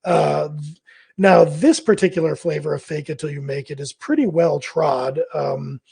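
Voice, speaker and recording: A man with a slightly high, raspy voice talks through freelance business questions in a loose, casual monologue. He sounds hoarse and scratchy as he recovers from laryngitis. He often stops to rephrase and correct himself mid-thought. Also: steady tone, measured pace, darkish tone. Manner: rambling, thinking aloud with frequent self-corrections. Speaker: freelance business advice host.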